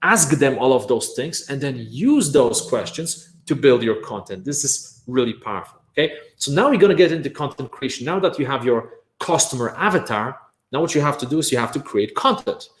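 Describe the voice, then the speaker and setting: A man from Poland whose first language is Polish energetically teaches an online workshop on making courses, hammering points with "right?" and a repeated "bam". He speaks fairly quickly at a medium pitch, in a roomy-sounding recording.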